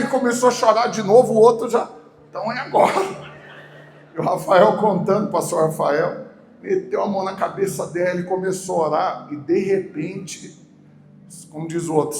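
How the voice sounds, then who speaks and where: A Brazilian man with a Goiás accent, preaching a sermon as a pastor and telling a story with acted-out dialogue that swings from hushed to loud. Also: high-pitched. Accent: Goiás Brazilian Portuguese. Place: large church hall. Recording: echoey church hall, faint background noise.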